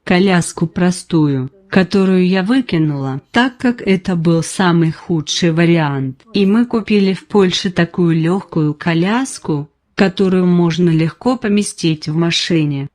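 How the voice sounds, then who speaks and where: A woman in her nineties, speaking slowly in short simple sentences while giving personal testimony as an interviewee. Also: on the low side, a little mellow. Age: 90s. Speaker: patient interviewee.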